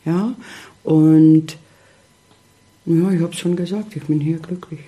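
A middle-aged man, a guest in a casual interview, talking haltingly with many fillers as he searches for words. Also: fairly high pitch, fairly even intonation, warm tone.

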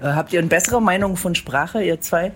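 Lively podcast host. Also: medium pitch, a little hiss or hum. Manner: lively, quick, asks questions. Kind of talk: casual chat.

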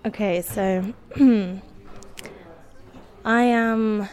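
Telling a personal anecdote, this woman sounds unhurried and wry, with occasional soft laughter, in a mid-range voice and steady tone. She comes from Indonesia, and Indonesian was the first language she spoke.

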